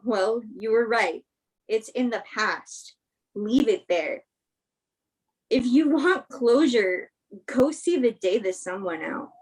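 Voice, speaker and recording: A woman's voice: a little high, animated, takes it slowly, slightly rough, full character voice, poor audio. A woman acting a bitter, guarded young woman, confrontational and sarcastic, in a staged play reading. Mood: scornful, bitter.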